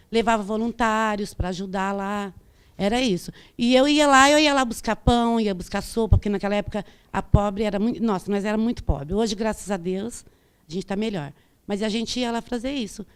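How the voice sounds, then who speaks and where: A woman speaks as a witness at a formal hearing, hoarse from a cold. Her voice still carries smooth and resonant underneath the roughness. She talks plainly and haltingly, circling back to repeat her points. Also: fairly high pitch. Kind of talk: formal testimony.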